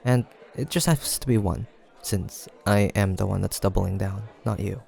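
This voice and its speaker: A man acting a playful, creaky-voiced teasing guy friend. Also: sits low, normal speed, mellow. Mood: flirty, confident. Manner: playful teasing, frequent chuckles, casual banter. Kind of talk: improvised audio roleplay addressed to the listener.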